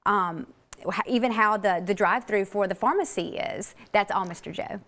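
A woman's voice: medium pitch, normal speed, fairly bright tone. A woman in her thirties, a marketing director guesting on a local TV show, bubbly and emphatic, on a lapel mic. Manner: bubbly, emphatic, laughs easily. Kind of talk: TV interview guest. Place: TV studio set, seated in armchair.

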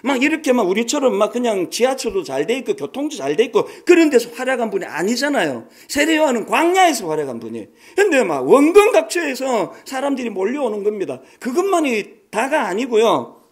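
A man in his sixties preaches in a conversational style and keeps asking his listeners questions. His voice is unusually high for a man, and its pitch rises and falls a great deal. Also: very animated, fairly quick, few pauses, husky. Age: 60s. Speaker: pastor. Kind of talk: sermon.

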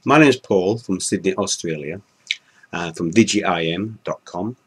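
A deep-voiced, husky man from Yorkshire, England, reviews a product in an unscripted testimonial to camera at a moderate pace. He's hesitant, with lots of fillers and restarts, and he's filmed in an indoor room in front of a curtain.

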